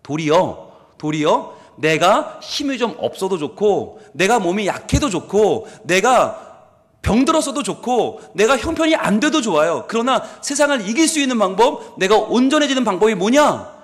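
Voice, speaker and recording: A man, a pastor, preaching a sermon in an animated storytelling way, acting out the people in his stories and asking the congregation questions he answers himself. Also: high-pitched, moderate pace. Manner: animated storytelling, acts out quoted speakers. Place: church sanctuary. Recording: long hall reverb.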